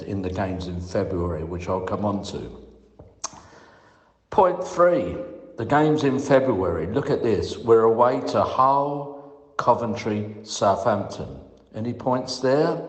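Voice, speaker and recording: Low-voiced man in an echoey room. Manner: methodical, critical. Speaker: fan leaving a voicemail for a podcast. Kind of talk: prepared point-by-point match opinion.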